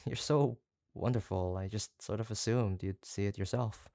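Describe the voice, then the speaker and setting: An actor playing an obsessive, doting yandere kidnapper in a roleplay audio drama, halting and coaxing, tender yet menacing. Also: medium pitch, steady tone, mellow, no room sound, clean studio sound, close to an everyday voice. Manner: halting, gushing, coaxing, with nervous stammers. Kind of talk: roleplay audio drama, intimate one-sided monologue.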